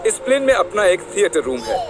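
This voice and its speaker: A man dubbing a vlog host, narrating in an excited showman way. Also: high-pitched, fairly quick, background noise. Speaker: host dubbed into Hindi. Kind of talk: energetic vlog narration dub.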